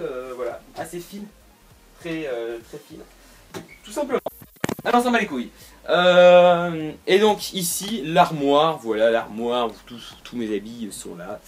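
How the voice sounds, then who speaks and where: A man's voice: mid-range voice, slight background noise. Teen guy rambling thru a bedroom tour, lots of ums and restarts, jokey, camera on a tripod. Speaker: YouTuber. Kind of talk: casual room tour vlog.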